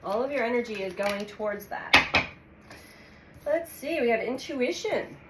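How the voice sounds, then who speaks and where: A woman giving a weekly tarot reading in a calm, unhurried way, congested from a cold and pausing as she draws cards. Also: a little high. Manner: calm, unhurried, speaks with pauses while drawing cards. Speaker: tarot reader. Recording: echoey room with audible background noise.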